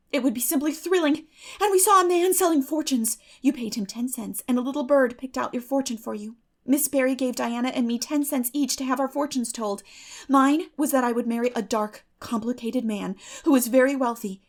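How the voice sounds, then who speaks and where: A woman's voice: a little high, natural voice. A woman voicing a chatty, earnest country girl full of romantic fancies in an audiobook story. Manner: gushing, wordy, earnest. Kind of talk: dramatic audiobook character reading.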